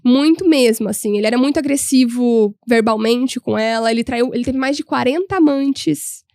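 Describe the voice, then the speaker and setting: A young woman, a podcast guest telling history stories in an animated, humorous way. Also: on the high side, normal speed, no room sound, studio quality. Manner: animated, humorous, voices quoted people. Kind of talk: casual storytelling chat.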